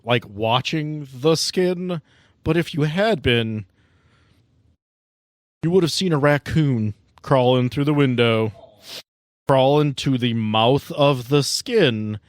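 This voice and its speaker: A man in a middle voice narrates a tabletop game for his friends. He keeps it loose and relaxed, wandering into asides, recorded close and dry. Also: medium pitch, no room sound. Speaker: game master.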